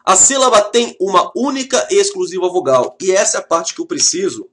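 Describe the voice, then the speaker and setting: A Brazilian male teacher with a notably high voice gives a lively video lesson. He jokes with the class and checks in with them as he explains. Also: a little fast. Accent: Brazilian Portuguese. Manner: lively, joking, talks straight to the class.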